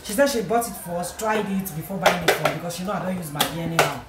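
A Nigerian-accented vlogger and mother in her thirties chats to a tripod-mounted camera in her small home kitchen, repeating herself and breaking into playful bursts of self-praise. Her voice is lowish and she talks fast, in a noisy home recording.

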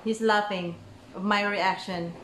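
A woman's voice: mid-range voice, fairly even intonation, a little slow, heavy background noise. A young woman hosting a reaction video at home, exclaiming and laughing often as she comments. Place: small room at home, indoors. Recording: roomy echoey home room.

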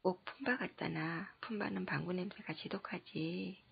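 A woman voicing a chatty, playful little girl in an audiobook, in a breathy, half-whispered childlike voice on a dull lo-fi recording. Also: lowish voice, normal speed, heavily acted.

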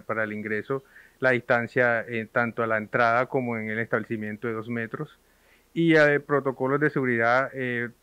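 A man's voice: mid-range voice, bright, forceful tone, clear, resonant tone, no echo. A young man interviewed for the news, listing measures with many fillers. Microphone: handheld reporter mic.

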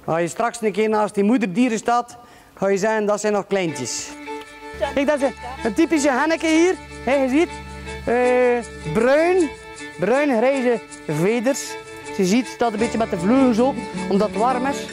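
A man's voice: very high voice, measured pace, over music. A middle-aged man with a Flemish accent, a farmer explaining things on a guided tour in a chatty way, tagging sentences with little fillers. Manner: chatty, many "hè" and "voilà" tags. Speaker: ostrich farmer giving a tour. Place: farm sheds and outdoor pens.

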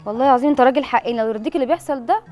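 An indignant Egyptian woman arguing back in a heated quarrel. She sounds offended the whole way through. Her voice is high and she speaks very quickly. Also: darkish tone, faint music behind. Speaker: TV presenter guest. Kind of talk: heated argument.

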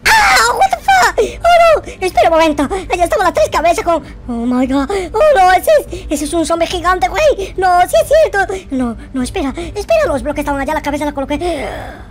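Casting: male performer as naive, panicky Latin American boy gamer, high whiny voice, wildly swinging delivery, music behind. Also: sing-song, brisk, few pauses. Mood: panicked. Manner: exclamatory, dramatic, whiny. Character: excitable, easily panicked naive boy game character. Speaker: gaming YouTuber. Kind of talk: excitable gameplay roleplay commentary.

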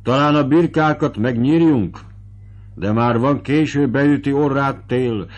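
A man's voice: mid-range voice, muffled recording, voice pushed up, close to an everyday voice. A man voicing a fat, humble old estate steward who speaks in broken, ungrammatical phrases. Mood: humble, fretful.

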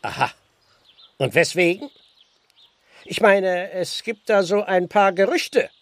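High-pitched, brusque police constable. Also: male voice, animated, slow. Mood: pressing. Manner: officious, brusque questioning. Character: stern, impatient village police constable, male. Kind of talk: German radio play acting.

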